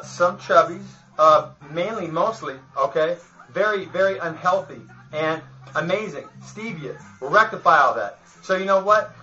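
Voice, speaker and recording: A man's voice: high-pitched, sharp tone. A man in a rambling, profane rant to the camera, boastful and chuckling between phrases, on a dull lo-fi home video.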